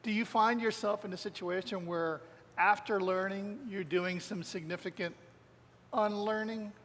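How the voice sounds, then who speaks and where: A man moderates a live talk, asking winding, hesitant questions. His voice sits fairly high, and the recording has long hall reverb with faint noise behind. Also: fairly even intonation, measured pace, a bit bright. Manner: rambling, hesitant phrasing. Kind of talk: interview questions on stage. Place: lecture hall with audience.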